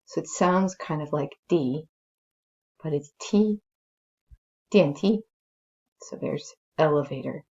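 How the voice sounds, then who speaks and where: Low-pitched woman teacher, unhurried and informal. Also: warm tone, highs cut off. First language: English. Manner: explanatory, informal, thinking aloud. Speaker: language teacher. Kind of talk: slow dramatic story read-aloud, then casual lesson commentary.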